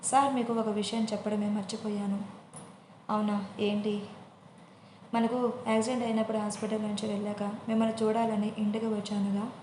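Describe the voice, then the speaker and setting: A feisty young bride-to-be, voiced by a woman storyteller answers with teasing, indignant spirit. The pitch sits mid-range with little movement. An echoey room and faint hum sit behind the voice. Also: flat delivery, brisk, dark tone, lightly acted. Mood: earnest. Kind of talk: audio story character voice.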